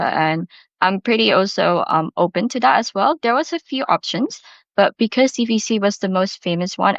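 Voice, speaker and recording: A woman's voice: lowish voice, a bit bright, no echo. A woman in her early twenties with an Indonesian accent, telling her own story casually as a podcast guest, in a chatty, informal way peppered with "like". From Bali, Indonesia. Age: early 20s. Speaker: podcast guest, university student. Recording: slightly dull, lo-fi audio.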